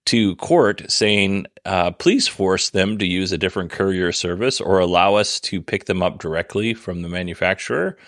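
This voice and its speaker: A man hosting a podcast, giving casual news commentary with many fillers and wry asides, a bit hoarse from losing his voice. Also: sits low, a bit bright, dry recording, clean studio sound. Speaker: podcast host.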